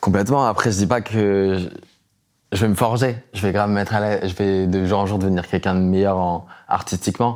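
A plain, everyday voice from a man, fairly low in pitch, at a fairly quick pace with fairly even intonation and very even loudness, in a very clean recording with a silent background. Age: 20s. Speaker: YouTuber and singer. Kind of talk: casual chat.

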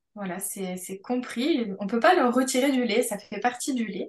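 A woman talks fairly slowly, somewhat breathy, with ordinary pitch variation. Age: 30s. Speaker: dietitian. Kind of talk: casual chat.

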